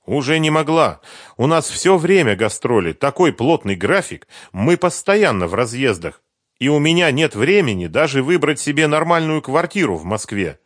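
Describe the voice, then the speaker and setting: A man's voice: mid-range voice, sing-song, moderate pace, dry recording, studio quality, voice pushed up. A man reading the part of a twenty-three-year-old woman singer, who sighs and talks persuasively about men and money. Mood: chatty. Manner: sighing, persuasive, lightly complaining. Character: young woman pop singer, 23, coy and calculating.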